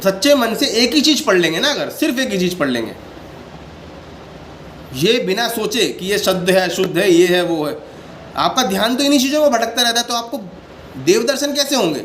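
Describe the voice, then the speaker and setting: A man's voice: sits high, expressive, a little fast, long pauses, a bit bright. Earnest man talking in an echoey room. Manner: earnest, defensive, explaining at length; often repeats "ठीक है" to check in with listeners. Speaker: devotional channel host. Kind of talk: casual devotional talk to viewers. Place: sitting indoors. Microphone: handheld phone without stand. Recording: echoey room with faint background noise.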